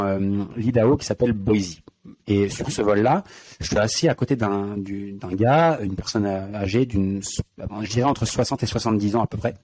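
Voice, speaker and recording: A low-voiced man from France hosts an interview podcast. He tells a personal story slowly and reflectively, pausing often with fillers as he searches for his words. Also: darkish tone. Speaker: podcast host. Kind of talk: conversational interview talk.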